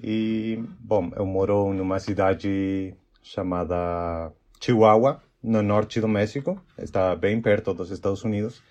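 Low mellow man with Mexican accent. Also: fairly even intonation, measured pace, few pauses, dull audio. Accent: Mexican Spanish. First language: Spanish. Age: 20s. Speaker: podcast guest. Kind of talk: casual conversation.

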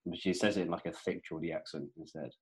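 A man's voice: deep voice, steady tone, fast, poor audio. A young man co-hosting a podcast over a video call, talking in a laid-back, rambling way with many fillers. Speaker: podcast co-host.

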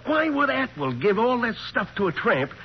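An actor playing a gruff, skeptical small-town police chief, folksy and sarcastic, in a 1940s radio drama. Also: male voice, extremely high pitch, very animated, normal speed, exaggerated voice. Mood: exasperated. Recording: muffled, hissy 1940s radio recording.

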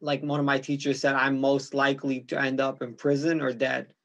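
A man's voice: mid-range voice, little pitch movement, brisk, vocal fry, fairly bright tone. A man from Brooklyn, hosting a casual podcast chat in blunt, profane street talk. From Brooklyn, New York.

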